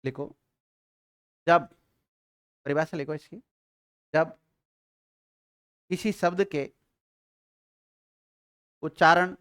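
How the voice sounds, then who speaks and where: A man teaching a grammar class to students, asking questions and answering them himself, and dictating notes slowly with repeated phrases. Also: fairly high pitch, fairly even intonation, fairly bright tone, clear, resonant tone. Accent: Rajasthani Hindi.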